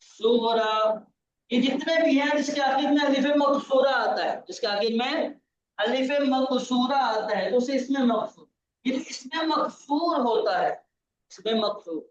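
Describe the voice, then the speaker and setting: A man's voice: very high-pitched, measured pace, slight background noise. A male teacher giving a grammar lesson in a patient, repetitive way, checking that his student understands. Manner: patient, repeats key points, checks understanding. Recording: distant, roomy, dull lo-fi sound.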